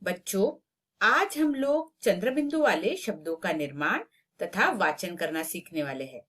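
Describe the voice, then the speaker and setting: A woman's voice: lowish voice, lively intonation, measured pace, fairly bright tone. A woman teaching a Hindi lesson to children, stretching out and repeating each word so pupils can copy it. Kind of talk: slow classroom lesson for children.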